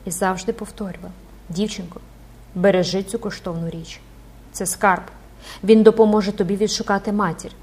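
A gentle, frightened young gypsy girl with a soft, imploring voice, as a woman reading aloud puts her on. Her pleas rise high and urgent in a storybook reading. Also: fairly even intonation, a little fast, breathy edge. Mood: tender.

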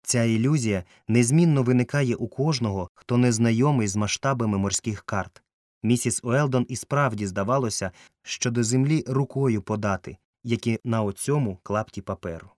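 A male audiobook narrator reads in a measured, clear manner at a mid pitch. The sound is close and dry, with no room heard. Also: a little mellow, no echo. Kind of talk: scripted narration.

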